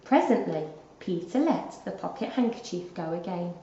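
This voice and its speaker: A woman reads a children's storybook aloud with deliberate expression. Her medium-pitched voice moves up and down in an animated way. The recording is slightly dull, with clear room echo. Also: slight background noise.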